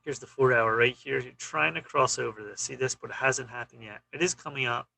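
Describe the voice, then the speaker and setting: A man's voice: mid-range voice, brisk, vocal fry, bright, forceful tone, rough recording. A man hosting a stock trading channel, walking through charts in casual, clipped phrases and often saying "you know".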